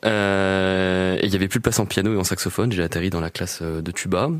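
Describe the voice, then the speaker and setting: A man's voice: low-pitched, steady tone, fast, dry recording. A man with a French accent chatting casually as an interview guest, easygoing and self-deprecating. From France. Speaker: interview guest, brass musician. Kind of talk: casual chat.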